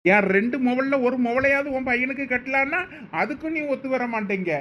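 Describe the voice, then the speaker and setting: A man plays a wronged middle-aged brother in a cartoon family feud, speaking with a Thoothukudi Tamil accent. His voice sits very high, and he argues loudly and will not back down. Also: brisk, highs cut off, a little hiss or hum. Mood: angry. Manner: loud, insistent arguing. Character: aggrieved middle-aged brother, father of two daughters. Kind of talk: cartoon family drama voice acting.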